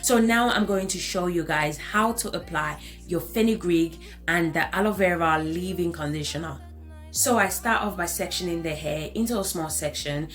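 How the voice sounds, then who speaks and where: A woman in her thirties with an African accent talks through a hair care tutorial in a lowish voice. She is enthusiastic and repeats phrases for emphasis. Soft music plays faintly behind her. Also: moderate pace. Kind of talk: tutorial voice-over.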